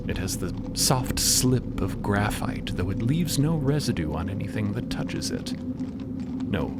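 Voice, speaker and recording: Male storyteller, low pitch, animated intonation, deliberate wording, scripted narration, loud music bed. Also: heavy background noise.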